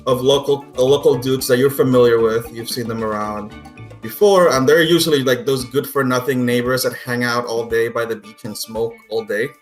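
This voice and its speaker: A man runs a tabletop game as game master, in a middle-pitched voice with noticeable room echo. He improvises scene descriptions conversationally, pausing and adding casual asides, while music plays underneath. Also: steady tone.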